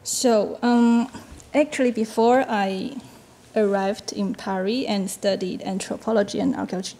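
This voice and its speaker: A woman's voice: medium pitch, steady tone, unhurried, warm tone. A woman whose first language is Chinese, speaking English as a discussant at an academic seminar, hesitant, with frequent fillers and short laughs.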